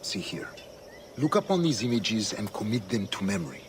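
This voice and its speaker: An actor playing a scheming older Templar governor, measured and solemn, often dropping to a hush. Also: male voice, lowish voice, sing-song, a little hiss or hum. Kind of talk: video game cutscene acting. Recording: game audio over music.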